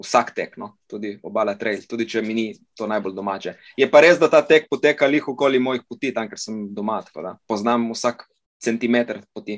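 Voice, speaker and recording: Over a quiet background, a man speaks with big swings in loudness. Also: ordinary pitch variation. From Slovenian coast, near Portorož; Slovenia. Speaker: ultramarathon runner; podcast guest. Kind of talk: casual interview. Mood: reflective, talkative. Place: home room.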